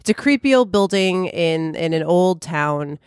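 A woman's voice: on the low side, animated, measured pace, clean tone, no room sound, clean studio sound. A woman co-hosting a podcast, chatting casually and reading a listener's story aloud with frequent restarts. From Chicago. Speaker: podcast co-host.

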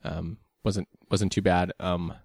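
A man's voice: low-pitched, flat delivery, takes it slowly, a little mellow, husky, no echo, studio quality. A man losing his voice a little, chatting casually and rambling a bit as a podcast co-host. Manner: rambling, laid-back, lots of ums. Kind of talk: casual chat recapping a race.

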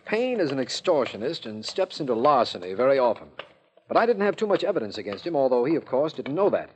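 An actor playing an earnest, steady lawman and loyal friend in an old-time radio drama. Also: mid-range voice, quick pace, close to an everyday voice. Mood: good-natured. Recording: noisy old radio recording.

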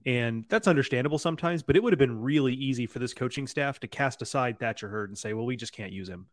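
A man's voice: medium pitch, fast talker, dry recording, clean studio sound. A man discussing baseball on a podcast, repeating words for emphasis as he makes his point. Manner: repetitive, doubles words for emphasis. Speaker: college baseball podcast panelist. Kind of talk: casual sports podcast talk.

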